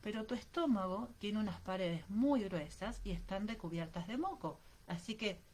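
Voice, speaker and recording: A woman reading an audiobook, voicing a calm, gently amused woman doctor patiently explaining things to a girl. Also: medium pitch, normal speed, close to an everyday voice. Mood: reassuring.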